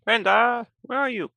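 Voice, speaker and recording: A man's voice: on the high side, pushed and bright, dry recording. A man streaming live, casually chatting and coaxing and scolding his pets in a joking way.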